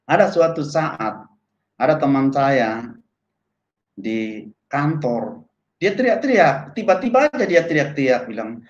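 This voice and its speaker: A man telling a personal testimony in an animated way, acting out the voices of people in his story. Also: medium pitch, measured pace, pauses often. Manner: animated, acts out quoted voices. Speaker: testimony speaker. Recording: echoey, dull lo-fi room sound.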